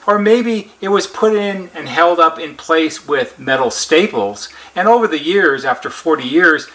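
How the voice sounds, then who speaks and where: A man with a bright, fairly high voice walks the listener through a repair as an experienced technician would. His delivery is instructional and methodical. He explains each step plainly and restates key points.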